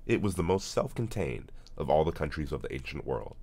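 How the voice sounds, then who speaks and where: A man doing a scripted voice-over reading as a professional voice actor, in a solemn, measured, oratorical manner. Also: extremely low pitch, big pitch swings, darkish tone.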